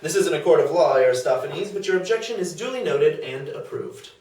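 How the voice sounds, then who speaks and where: A man's voice: fairly high pitch, animated, fairly quick, darkish tone, distant mic, natural voice. A man playing a mischievous comic poet in a stage comedy table read, jesting in a mock-grand, declamatory way. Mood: mock objection. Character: Aristophanes, mischievous, theatrical comic poet at a banquet. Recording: echoey room, off the microphone.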